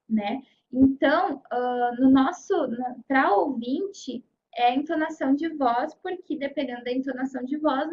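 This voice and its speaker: A woman's voice: sits high, highs cut off. A woman teaching a sign language course in a recorded online lecture, explaining step by step and checking in with her students often. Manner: explanatory, frequent "né?" and "tá?" check-ins.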